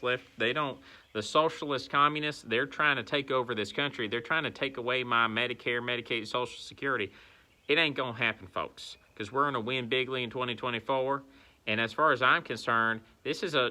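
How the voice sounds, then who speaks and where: A man playing a sharp-voiced rambling patriot ranter. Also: mid-range voice. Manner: rambling, self-interrupting, bombastic. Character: rambling older male pro-Trump patriot, fired-up and muddled. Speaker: satirical livestream ranter. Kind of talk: comedic satire rant. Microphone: phone livestream.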